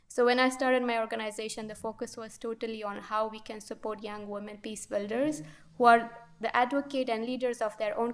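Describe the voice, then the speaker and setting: Earnest young woman from Afghanistan. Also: a little high. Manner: earnest, emphatic, with frequent restarts. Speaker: conference panelist. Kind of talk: unscripted conference talk. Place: chapel conference hall.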